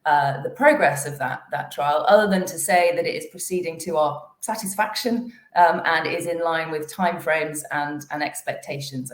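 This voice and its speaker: A woman with a notably low voice talks investors through company results, pausing often with fillers and restarts. She sounds a little hoarse, as if losing her voice. The sound is roomy and echoey, like a video call from an untreated room. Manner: hesitant, many fillers and restarts. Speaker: company executive presenting to investors. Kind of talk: investor presentation and Q&A.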